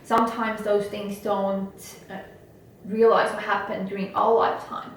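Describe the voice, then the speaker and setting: A woman who grew up speaking Estonian talks in an earnest, motivational way, keeping her pitch notably level and flat. She sounds set back from the microphone in a very echoey room. A faint hiss of noise sits underneath. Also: unhurried, far from the mic. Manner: earnest, motivational, steady and even. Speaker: guest. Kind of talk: interview conversation.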